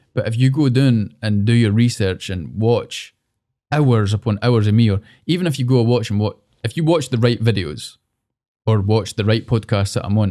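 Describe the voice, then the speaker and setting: On a very clean recording with a silent background, a man speaks at a moderate pace in a fairly low, dark, mellow voice with ordinary pitch variation. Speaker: social media personality. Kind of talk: casual interview.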